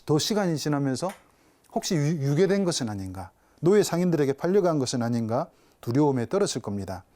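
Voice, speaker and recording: Lively Catholic priest giving a talk. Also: male voice, on the high side, fast. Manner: storytelling with rhetorical questions to listeners. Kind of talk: televised spiritual talk.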